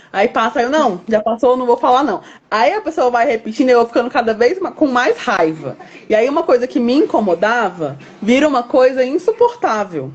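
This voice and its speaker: A woman's voice: fairly high pitch, lo-fi sound. A woman hosting a casual online conversation, explaining at length with everyday examples. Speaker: host. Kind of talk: casual chat.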